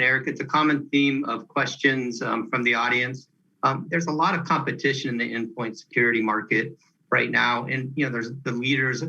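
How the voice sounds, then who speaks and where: A man's voice: medium pitch, bright, forceful tone, lo-fi sound. A man moderating a business question-and-answer session, politely relaying questions from the audience over a conference call.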